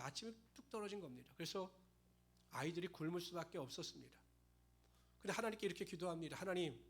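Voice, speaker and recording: A male pastor delivering a sermon, telling stories with emphatic, lively emphasis. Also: high voice. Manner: emphatic storytelling preacher.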